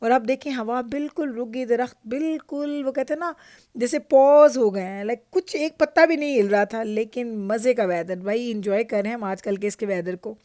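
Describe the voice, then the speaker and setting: Chatty Pakistani mom vlogger, dry sound. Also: female voice, on the high side, moderate pace, warm tone, no echo. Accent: Pakistani Urdu. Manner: chatty and storytelling, laughs often. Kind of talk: casual vlog narration. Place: home in Canada.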